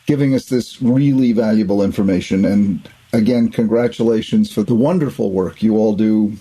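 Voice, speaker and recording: A man's voice: on the low side, normal speed, dark tone, husky. A man hosting an interview podcast in an effusive, encouraging way. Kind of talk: warm interview conversation.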